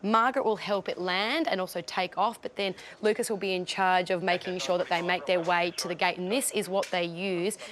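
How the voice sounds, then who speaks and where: A woman's voice: fairly low pitch, fairly even intonation, a little fast, hardly any pauses, a bit bright. A young Australian woman giving a live weather cross from an airport control tower, bubbly and chatty. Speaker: weather presenter.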